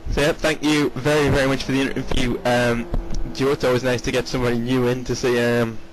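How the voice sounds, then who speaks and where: A man co-commentating an online race, upbeat and easily excited. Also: medium pitch, brisk, rough recording. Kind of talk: live race commentary and interview.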